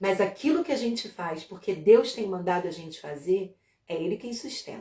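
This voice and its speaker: With a strong Carioca accent, a woman talks at a fairly slow pace in an animated, somewhat breathy voice that makes very wide pitch swings. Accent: carioca accent, strong chiado (sh-like s). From Rio de Janeiro, Brazil. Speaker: women's ministry leader. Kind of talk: devotional teaching livestream. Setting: livestream from home.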